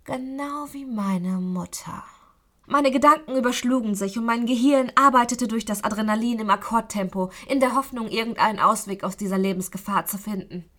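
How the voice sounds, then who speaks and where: Bright-voiced woman reading an audiobook. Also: fairly high pitch, fairly quick, few pauses. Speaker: audiobook reader. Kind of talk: scripted audiobook narration.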